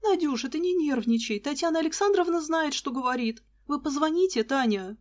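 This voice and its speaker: A woman's voice: sits high, lively intonation, a little fast, voice pushed up. Woman doing a fretful, pleading mother. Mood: fussing. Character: anxious, pleading middle-aged mother.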